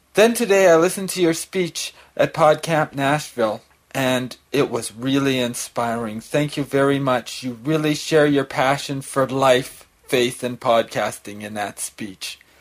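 A man's unremarkable speaking voice with a Canadian accent, fairly high in pitch, at a fairly slow pace with ordinary pitch variation. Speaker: podcaster, caller. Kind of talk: recorded voicemail feedback.

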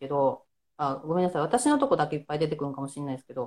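A woman talks at a very fast pace. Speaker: esthetician. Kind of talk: interview.

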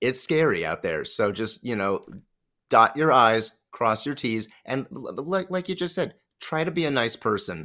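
A man with an American accent speaks at a fairly slow pace with a medium pitch, very wide pitch swings and vocal fry, on a very clean recording with a silent background. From Los Angeles, US. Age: 40s. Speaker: voice actor. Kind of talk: casual chat. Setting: at home.

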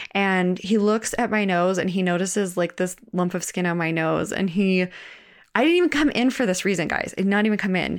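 A woman speaks in a plain, everyday voice at medium pitch and a moderate pace, with ordinary pitch variation, very even loudness, hardly any pauses, and a very clean recording with a silent background. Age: 40s. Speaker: podcast host and career coach for assistants. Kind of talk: solo podcast monologue. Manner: casual and conversational.

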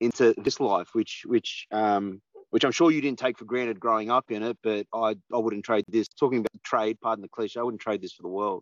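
This man talks at a medium pitch with ordinary pitch variation and an Australian accent. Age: 40s. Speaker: guest sharing life story. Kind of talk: casual chat.

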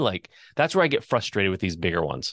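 A man's voice with vocal fry comes through dry and close, with no echo and a quiet background. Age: 50s. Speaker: podcast host and real estate investor. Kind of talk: casual interview chat.

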